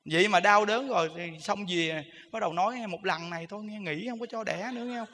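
A man's voice: sits high, quick pace, bright, forceful tone, long reverb tail. A man with a Southern Vietnamese accent giving a humorous dharma talk as a Buddhist monk. He is chatty and teasing, and keeps asking the audience whether they agree.

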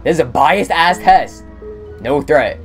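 Animated young man live-streaming a game. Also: on the high side, measured pace, music in the background. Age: young adult. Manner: slangy, addresses chat, reacts excitedly. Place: indoor room at streaming setup.

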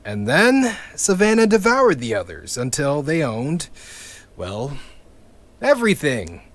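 Audio drama: male actor as a jaded young organizer, sardonic and profane, slow and unhurried, voice a bit high. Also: huge pitch swings, full character voice. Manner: bitter, sardonic, swearing, wry laughs between lines. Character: bitter young male activist confessing to a recorder.

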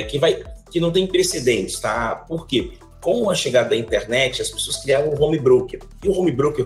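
A man's voice: mid-range voice, reverberant. A man in his forties from Salvador, Brazil, a finance educator, talking animatedly with his hands as a guest in a video-call interview. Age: 40s. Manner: animated, gestures with both hands while explaining. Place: office with large windows.

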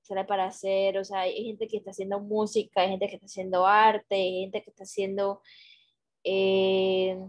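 A woman's voice: mid-range voice, little pitch movement, normal speed. A young woman talking casually on a video call, hesitant, with many fillers and restarts. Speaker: guest, graphic designer. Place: small room at home, indoors. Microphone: headset on video call. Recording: dull lo-fi video call audio.

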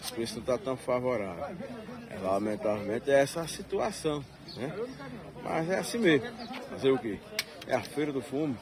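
A man's voice: medium pitch, very animated, a little fast. A man, hosting a casual vlog while walking a street market, chatty and drawn out as he quotes prices. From Northeast Brazil. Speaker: channel host filming a market. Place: busy outdoor street market. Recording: outdoor street market crowd noise. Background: crowd chatter and traffic.

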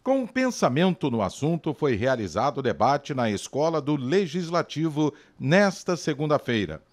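A man reading a scripted news report in a measured newsreader delivery. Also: a little high, big pitch swings.

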